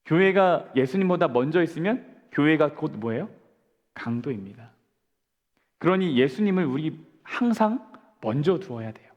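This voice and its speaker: Man, 40s, pastor giving a storytelling sermon, lively delivery with the long reverb of a church hall. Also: a little high, normal speed, dull audio. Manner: storytelling, asks the congregation questions and answers them. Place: church sanctuary.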